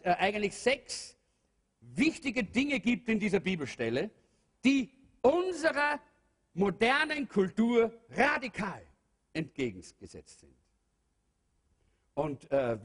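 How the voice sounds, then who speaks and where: A man with a husky, breathy voice preaches a sermon to his congregation. He speaks earnestly and asks many rhetorical questions. A long reverb from the church hall hangs on every phrase. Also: high voice. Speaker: pastor.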